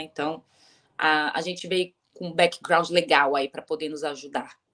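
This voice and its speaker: Her tone is bright and sharp. The woman keeps a fairly quick pace with fairly even intonation. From Brazil, São Paulo city. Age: young. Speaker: Brazilian immigrant guest. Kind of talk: podcast interview. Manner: talkative.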